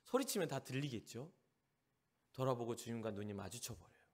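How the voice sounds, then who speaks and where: A man from Jeolla, South Korea, preaching as a pastor at a youth service, animated and acting out the people he describes. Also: medium pitch, a little fast, breathy edge. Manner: animated, acts out the lines of the people in the story.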